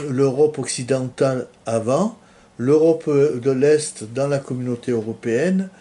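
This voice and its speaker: Slow, hesitant man introducing a guest. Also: medium pitch, dark tone. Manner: hesitant, many fillers. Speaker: host.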